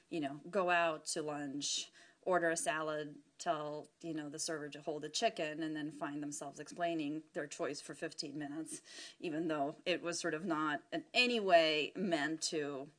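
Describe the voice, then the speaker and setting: A woman's voice: sits low, steady tone, normal speed, fairly bright tone. A woman researcher explaining her work in an informal interview, discursive and often hedging as she goes. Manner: discursive, hedging with "sort of" and "you know".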